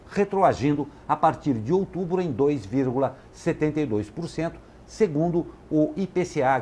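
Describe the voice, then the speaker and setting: A man's voice: a little high, mellow, slightly rough. A man presenting a regional news program, reading items and making casual asides to viewers. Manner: chatty, informal asides to viewers. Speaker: news anchor.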